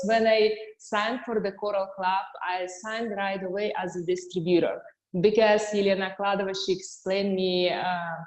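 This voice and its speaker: Woman, 50s, strong Russian accent, halting with many fillers, roomy echo. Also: mid-range voice, darkish tone. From Ukraine. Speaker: distributor guest. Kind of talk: interview answers.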